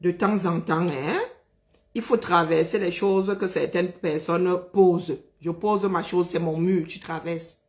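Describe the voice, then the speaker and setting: A man's voice: high-pitched, steady tone, a little slow, darkish tone. Angry man ranting live. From Cameroon. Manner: indignant, emphatic, repeats phrases for force. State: agitated. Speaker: live streamer. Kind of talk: angry live-stream rant.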